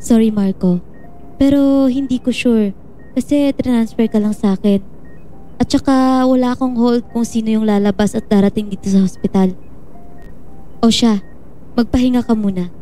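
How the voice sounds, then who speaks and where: An actress playing a gentle, reassuring woman doctor in a Filipino audio drama, speaking patiently and supportively. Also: on the high side, steady tone, normal speed, pauses often, slight background noise, close to an everyday voice. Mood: sympathetic.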